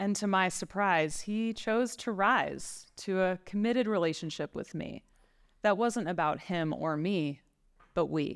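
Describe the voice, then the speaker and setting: A woman's unremarkable speaking voice, medium-pitched with normal variation, at a fairly slow pace in a very clean recording with a silent background. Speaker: psychotherapist. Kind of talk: spoken word poetry performance.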